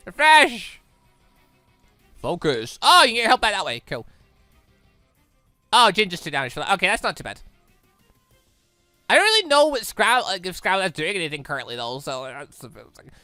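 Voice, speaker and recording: A gamer giving casual let's play commentary, muttering moves and thinking out loud. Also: medium pitch, no echo. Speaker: gaming video host.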